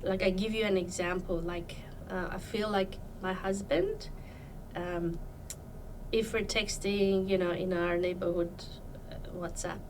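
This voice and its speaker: A woman's voice: on the low side, fairly even intonation, measured pace, recorded from a distance, a little hiss or hum, poor audio. A woman from Iran, a podcast guest, talking about her life in a thoughtful, hesitant way with many fillers. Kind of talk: casual interview chat.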